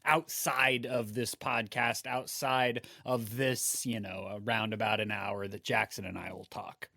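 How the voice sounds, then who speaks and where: A man's voice: on the low side, level tone, unhurried, vocal fry, pushed and bright, no echo, clean studio sound. A man from the United States co-hosting a podcast, chatting casually with rambling restarts. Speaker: podcast co-host. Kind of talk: casual podcast chat and sponsor plug.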